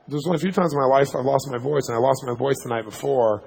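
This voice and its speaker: A man telling a story to a live audience as a motivational speaker, fast and punchy, checking in with "right?" asides. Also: mid-range voice, vocal fry, darkish tone, husky. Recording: long hall reverb.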